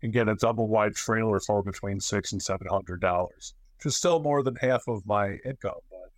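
A man's voice: on the low side, a little fast, no echo. A man in his sixties, a renter, talking about his rent in a matter-of-fact way. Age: 60s. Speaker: interviewed renter. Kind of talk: interview testimony.

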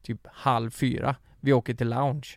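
A man's voice: mid-range voice, flat delivery, vocal fry, darkish tone, dry recording, clean studio sound. A man co-hosting a casual podcast chat, asking curious follow-up questions. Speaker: podcast co-host.

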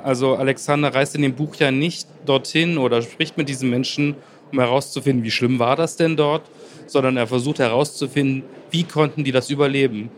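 A man's voice: mid-range voice, a little hiss or hum. A man hosting a book podcast, asking questions in an engaged, conversational way. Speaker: podcast host. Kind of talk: interview questions.

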